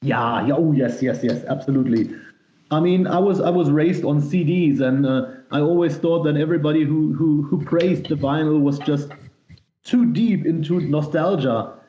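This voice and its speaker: A man's voice: on the high side, moderate pace, dark tone. A man with a German accent, a native German speaker and singer, giving enthusiastic, emphatic answers in a casual interview and often repeating words. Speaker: musician, power metal singer being interviewed. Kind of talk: casual interview talk, telling anecdotes. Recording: roomy echo, dull lo-fi sound.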